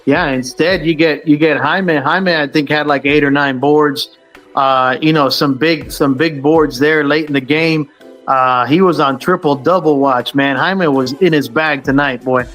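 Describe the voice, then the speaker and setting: A man's voice: fairly high pitch, fairly even intonation, a little slow, fairly bright tone, soft background music. A man hosting a casual sports talk show, rambling with lots of fillers and restarts. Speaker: sports podcast host.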